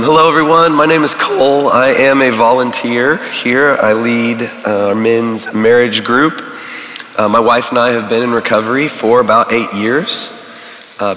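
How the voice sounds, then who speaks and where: A man, a church volunteer giving a casual teaching to a recovery group, halting with many fillers while he is losing his voice. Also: medium pitch, fairly bright tone, slight background noise. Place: large church hall. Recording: echoey hall with long reverb.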